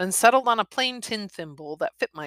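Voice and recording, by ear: Someone is reading aloud in a natural voice, with lively intonation, against a quiet background.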